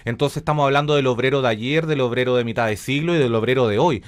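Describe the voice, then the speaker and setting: A man's voice: mid-range voice, fast, no room sound. A middle-aged man with a Chilean accent, talking conversationally as an interview guest and explaining his work reflectively. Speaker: interview guest, journalist and radio theatre director.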